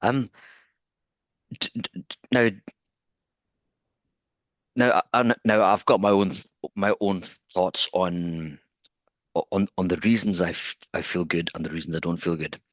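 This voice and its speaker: A man's voice: low-pitched, steady tone, measured pace, pauses often, no echo. A man interviewing a guest, stuttering often with repeated words and blocked sounds, searching thoughtfully for his words. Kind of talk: conversational interview.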